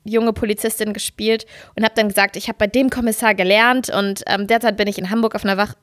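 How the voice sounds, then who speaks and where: A woman's voice: medium pitch, fairly even intonation, quick pace, dry recording, studio quality. A woman chatting casually and comedically as a podcast co-host, self-ironic and thinking aloud as she goes.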